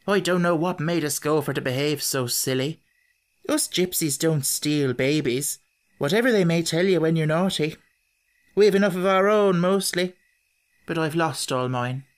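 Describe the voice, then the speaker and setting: A kindly older gypsy woman from a storybook speaks in a soft, rustic dialect, as the reader puts her on. The voice sits a little higher than the narration. Her delivery is gentle and wistful, like a blessing. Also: normal speed, lightly acted.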